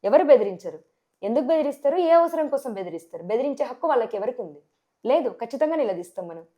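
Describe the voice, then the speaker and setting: A woman with a Telangana Telugu accent speaks as a local election candidate in a TV interview. Her voice sits a little high with a dark, mellow tone. She argues forcefully and keeps firing rhetorical questions. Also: very animated, fast talker, highs cut off. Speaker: sarpanch candidate. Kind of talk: TV interview answers.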